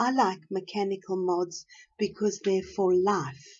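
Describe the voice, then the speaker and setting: A woman talks at a fairly slow pace. Hers is an unremarkable speaking voice at a medium pitch. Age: 60s. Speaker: vaping video blogger. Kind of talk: casual product chat to camera. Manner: relaxed, conversational.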